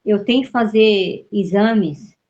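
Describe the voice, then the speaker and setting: Middle-aged Brazilian woman, interview guest, lively storyteller, mellow tone, muffled lo-fi sound. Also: mid-range voice, slow pace. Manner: vivid storytelling, acts out quoted voices, repeats words.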